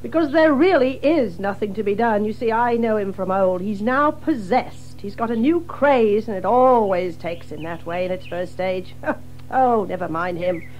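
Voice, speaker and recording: A man playing an excitable, bossy, practical water rat in a children's audio drama, indignant and emphatic. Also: sits high, normal speed, lo-fi sound, a little hiss or hum, lightly acted. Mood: weary, resigned. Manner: indignant, blustering, emphatic British exclamations. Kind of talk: full-cast children's audio drama acting.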